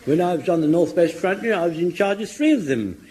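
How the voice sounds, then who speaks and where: An eager rambling old soldier. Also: male voice, high-pitched, expressive, a little fast, warm tone, a little hiss or hum. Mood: boastful. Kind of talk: radio comedy acting.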